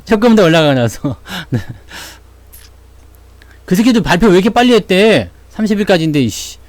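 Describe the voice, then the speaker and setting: A man riffs on the stock market in a loose, blunt way, slipping in slang and acting out little imagined voices. His pitch sits a bit high and swings widely. The sound is close and dry, with no room around it. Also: sing-song, normal speed, dry recording. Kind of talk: casual market talk to viewers.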